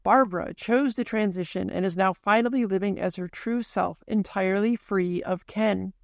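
Gravelly-voiced host with a dry sound. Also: medium pitch, no room sound. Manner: deliberate, analytical, reads out timestamps. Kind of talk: video essay narration and casual chat.

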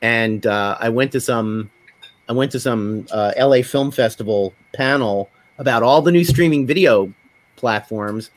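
A man's voice: medium pitch, a little slow, no room sound. A middle-aged man telling anecdotes conversationally in a panel discussion, slipping into quoted dialogue as he goes. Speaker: podcast panelist, independent filmmaker.

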